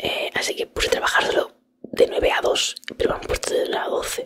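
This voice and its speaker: Soft-spoken and relaxed in tone, a man with an extremely high pitch speaks at a moderate pace. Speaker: ASMR streamer. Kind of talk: asmr ramble, whispered talk to the microphone. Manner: soft-spoken, relaxed, rambling. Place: home room. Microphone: studio mic.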